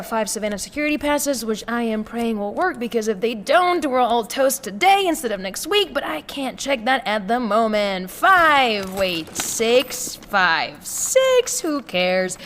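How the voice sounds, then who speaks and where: In a long reverberant echo, an actress plays a quirky rebel quartermaster woman in an audio drama. Her voice sits fairly high and is very animated. She is brisk and rambling, full of breezy self-correcting asides. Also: a little hiss or hum.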